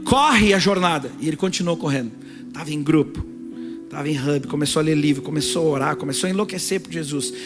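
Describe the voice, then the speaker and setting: Male pastor, high-pitched, storytelling sermon delivery, faint music behind. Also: quick pace. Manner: storytelling, shifts from loud emphatic passages to hushed intimate ones. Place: church service on a theater stage.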